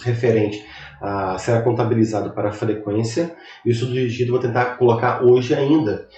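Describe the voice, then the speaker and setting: A man's voice: fairly low pitch, mellow, roomy sound, distant mic. A man in his thirties with a Brazilian Portuguese accent, giving a recorded online lecture in a rambling, conversational way while he recovers from a cold. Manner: rambling, conversational, chatty asides. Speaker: university lecturer.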